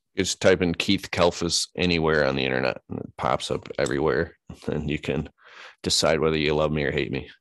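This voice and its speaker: Against a quiet background, a man with a very deep, low pitch and vocal fry speaks at a fairly quick pace in a dry, close sound with no echo. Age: 30s. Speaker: entrepreneur and landscaper. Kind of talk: podcast interview. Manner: animated.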